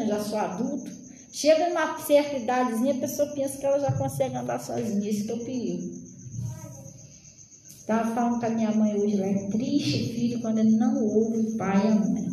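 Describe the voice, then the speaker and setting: A woman's voice: fairly high pitch, dark tone, reverberant, slight background noise, rough recording. A woman in her late thirties giving an informal, chatty sermon, often turning to address her listeners directly. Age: 30s. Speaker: preacher.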